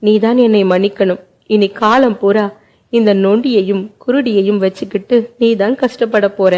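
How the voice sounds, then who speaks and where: A woman's voice: medium pitch, steady tone, normal speed, mellow, highs cut off, natural voice. A woman voicing a loving, grief-stricken young woman who speaks through tears in a told family story. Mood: despairing. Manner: tearful, despairing delivery. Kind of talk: storytelling narration.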